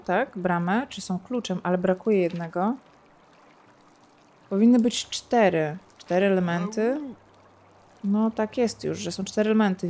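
A woman's voice: mid-range voice, mellow. Chatty woman narrating her gameplay. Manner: chatty, thinks aloud, playful sound effects. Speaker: gaming streamer. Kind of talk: casual let's-play commentary.

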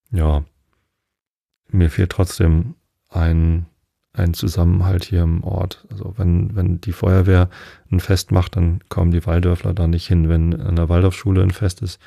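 A middle-aged man from Northern Germany hosting a sleep podcast, musing slowly and softly with many fillers. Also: low-pitched, creaky, breathy edge, dry recording, clean studio sound. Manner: slow, soft-spoken, with many fillers. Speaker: podcast host. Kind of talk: calm rambling monologue. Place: at home.

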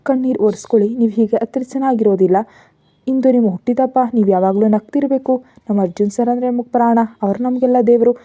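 A gentle, devoted young man from a storybook speaks softly and respectfully, as a woman reader puts him on. The tone is very dark and mellow, recorded close with no room sound. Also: a little high, fast talker, no room sound, close to an everyday voice. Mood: earnest. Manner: soft, respectful, apologetic.

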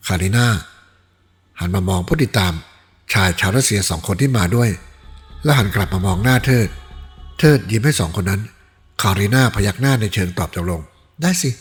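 A man reading a novel aloud as an audiobook narrator, in an even, measured style. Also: lowish voice. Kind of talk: storytelling narration.

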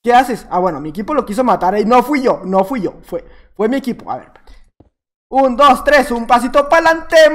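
A man with a Mexican accent giving jokey, casual commentary while playing a game, talking to himself and to opponents, jumping between loud outbursts and muttered asides. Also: high-pitched. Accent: Mexican Spanish. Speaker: gaming YouTuber.

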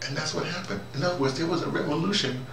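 Older guy ranting to camera, really animated, keeps digressing, echoey room with noise, mic a few feet off. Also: on the high side, fast talker. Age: middle-aged or older. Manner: animated, digressive, searching for words, repeats himself. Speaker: audio drama director. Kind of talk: rambling opinionated monologue to camera. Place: small indoor room or office. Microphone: camera a few feet away. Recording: roomy, distant camera mic, noisy.

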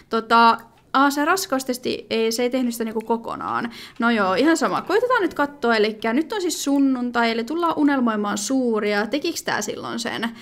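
A woman talks her way through a video game in a casual, rambling commentary. Her voice sits on the high side and swings widely in pitch. She fills gaps with hesitations and breaks off into sudden exclamations. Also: a bit bright. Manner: chatty, thinking aloud with many fillers and sudden exclamations. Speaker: gaming video creator.

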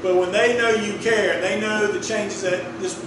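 A man's voice: high-pitched, steady tone, a little slow. A middle-aged man preaching a conversational sermon, telling a story and drawing answers from the congregation in a small wood-paneled church. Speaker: pastor. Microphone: room mic from a distant camera. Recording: echoey room, distant mic, clear air-conditioner hum.

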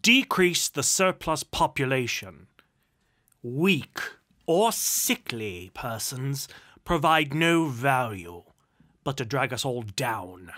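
A man's voice: mid-range voice, sing-song, takes it slowly, sharp tone, heavily acted. A man voicing a cold, haughty, bitter duke with a dry, cutting, imperious manner, in a storybook reading. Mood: scornful, imperious.

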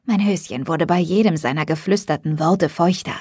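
A woman reading a first-person audiobook in a calm, measured way, close to the mic. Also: on the low side, breathy edge, dry recording. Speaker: audiobook narrator. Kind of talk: scripted first-person narration.

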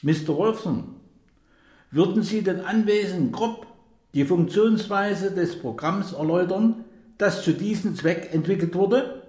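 An actor playing a formal, courteous government official in a radio drama, with a stiff, deliberate, halting delivery. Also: male voice, sits high, darkish tone. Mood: formal, measured. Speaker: official leading a project briefing. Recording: roomy echo.

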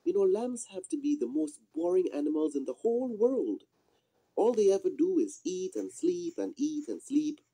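A puppeteer voicing a mischievous, excitable young shepherd boy with exaggerated delivery in an amateur puppet show. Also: medium pitch, moderate pace, poor audio. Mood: bored, scheming. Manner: exaggerated, yelping when alarmed. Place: small indoor room, behind puppet curtain.

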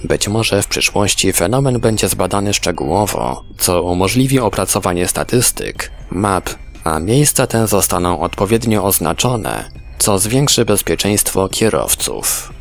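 A man's voice: low-pitched, animated, measured pace, vocal fry. A man reading a scripted article as a documentary narrator. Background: background music.

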